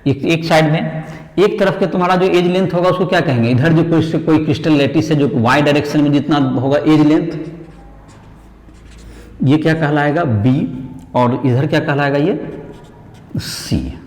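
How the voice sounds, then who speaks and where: A man's voice: on the high side, moderate pace, long pauses, a little mellow. A man teaching a chemistry lesson, mixing Hindi and English and quizzing students with repeated rhetorical questions. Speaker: chemistry tutor. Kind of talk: classroom lecture. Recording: echoey room with long reverb.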